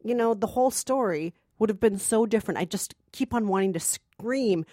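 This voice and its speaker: A woman's voice: medium pitch, moderate pace, dark tone, no echo. Emphatic woman podcaster, dry close sound. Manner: emphatic, repeats points. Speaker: podcast co-host, film critic. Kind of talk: conversational film review.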